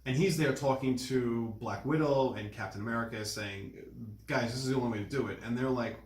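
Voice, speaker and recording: A man's voice: medium pitch, fairly quick. A man explaining a film's plot in casual podcast talk, often repeating and rephrasing himself. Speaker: podcast co-host recapping a film. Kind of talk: casual film discussion and plot recap. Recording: echoey, roomy recording.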